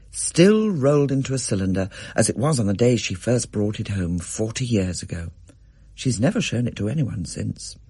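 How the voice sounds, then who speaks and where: A man reading a story aloud as narrator in a measured, storytelling way. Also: fairly low pitch, husky, no echo. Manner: gently storytelling, varied and expressive.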